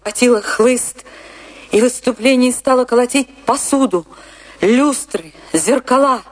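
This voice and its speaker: An actress playing an anguished woman recalling her tragic love in a theatrical radio drama, with weighty pauses. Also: fairly high pitch, no echo. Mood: agitated, distraught. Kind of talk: dramatic first-person narration in a radio play.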